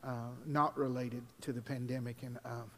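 An older man, a pastor preaching at a pulpit microphone, mixing folksy asides with loud, drawn-out scripture reading. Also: mid-range voice, little pitch movement. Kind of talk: sermon. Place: church sanctuary. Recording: long reverb in a church hall.

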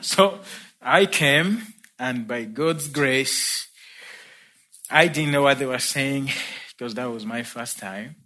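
A man's voice: mid-range voice, slow, long pauses. A man from Uganda with a Ugandan accent, telling his own conversion story in a sermon with easy laughter. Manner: warm storytelling, laughs between points. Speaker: preacher. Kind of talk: sermon testimony. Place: church.

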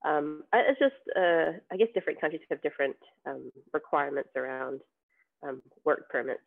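This New Zealand man, a software tester appearing as a podcast guest, has a fairly quick, creaky voice on the high side. He chats casually and hesitantly in an interview, full of ums and restarts, over a tinny, phone-like remote call.

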